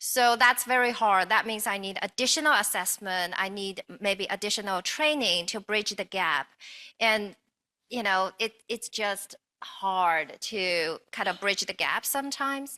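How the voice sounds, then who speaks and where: A woman with a Chinese accent at a fairly slow pace, medium pitch, ordinary pitch variation and a bright, sharp tone, in a dry, close sound with no echo on a very clean recording with a silent background. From China, Shanghai. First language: Mandarin Chinese. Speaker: talent development executive. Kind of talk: panel discussion.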